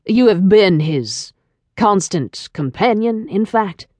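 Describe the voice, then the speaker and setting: A woman's voice: expressive, slow, a little mellow, no room sound. A woman voicing an imperious, impatient male shipping magnate in an audiobook, with a trace of French accent and a formal, commanding manner. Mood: accusing. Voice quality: deep, smooth tone. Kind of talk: audiobook character dialogue.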